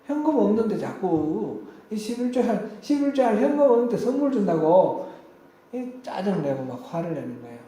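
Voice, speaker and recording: A male pastor preaches in a church hall, and his voice rings out with heavy echo. His pitch sits a little high and moves a lot, but the tone stays mellow and soft-edged. He tells stories in an easy, conversational way. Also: sing-song, moderate pace. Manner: tells personal anecdotes in a conversational tone. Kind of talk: sermon. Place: church sanctuary.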